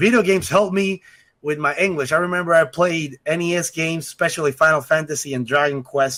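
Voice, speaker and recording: Bright and sharp in tone, a man with a Spanish accent speaks at a fairly quick pace with ordinary pitch variation on a very clean recording with a silent background. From Panama. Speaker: pro wrestler and gamer. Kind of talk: casual chat.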